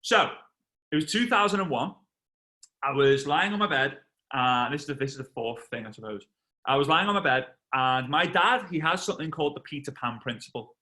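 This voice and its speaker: Englishman in his thirties, bright and a touch high, animated trainer acting out a story over a video call. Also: fairly quick. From England. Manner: animated storyteller, acts out voices and shouts. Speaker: network marketing trainer.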